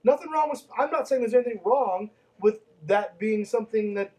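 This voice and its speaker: A man's voice: sits high, brisk, a little mellow, far from the mic, poor audio. A man hosting a podcast, reading from a book and breaking off into sarcastic, swearing commentary. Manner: sarcastic, swears freely, reads then interrupts himself. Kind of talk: casual commentary while reading aloud.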